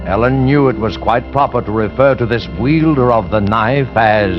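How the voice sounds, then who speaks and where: A man's voice: medium pitch, normal speed, close to an everyday voice. A man playing an ominous suspense-show host who introduces the tale, in 1940s radio acting. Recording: dull old radio broadcast with music.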